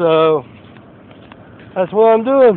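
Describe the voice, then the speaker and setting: Fairly slow speech with ordinary pitch variation, a dry, echo-free sound and light background noise. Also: man. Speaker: walking vlogger. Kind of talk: casual vlog chat. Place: street. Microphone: phone near.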